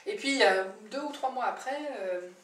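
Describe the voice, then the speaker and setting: A woman therapist telling client stories in a chatty, animated way, with many fillers and restarts. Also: a little high, moderate pace. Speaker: birth-history therapist. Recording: roomy, distant mic with faint background noise.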